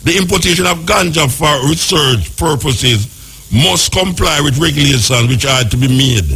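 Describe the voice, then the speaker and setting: A Jamaican radio host reading a legal text aloud and breaking off into joking patois comments on it. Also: male voice, medium pitch, a bit bright, husky.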